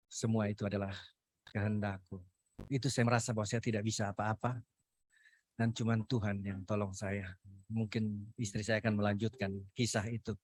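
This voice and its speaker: A man giving an earnest, emotional personal testimony at a Christian fellowship, breaking off mid-phrase and sometimes dropping to a hushed voice. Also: on the low side, no echo.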